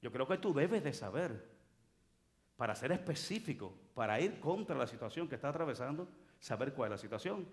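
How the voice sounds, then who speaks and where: A man's voice: mid-range voice, fairly quick. A man, a pastor preaching a sermon in church, telling stories and acting out the people in them. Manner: animated storytelling preacher, acts out dialogue. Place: church sanctuary.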